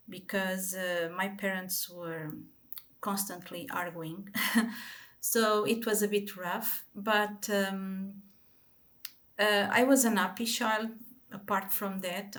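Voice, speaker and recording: A woman's voice: medium pitch, fairly even intonation, takes it slowly, a bit bright. A Portuguese woman speaking English with a Portuguese accent as an interview guest, telling her life story with many ums and restarts.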